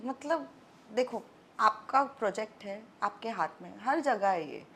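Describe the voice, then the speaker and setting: A woman's voice: on the high side, expressive, a little slow, a bit bright. A young actress chatting candidly as an interview guest, mixing English phrases into her Hindi.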